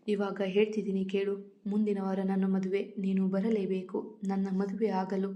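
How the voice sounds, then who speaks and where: Heartbroken young bride, read by a woman: pleading, emotional, dark and flat. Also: mid-range voice, close to an everyday voice.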